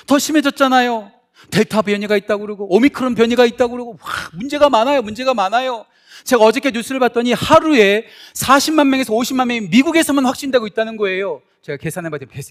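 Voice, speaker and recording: A man pastor preaching a sermon, animated, moving between loud emphatic lines and soft confiding asides, often asking the congregation questions. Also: high voice. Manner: conversational, asks the congregation questions.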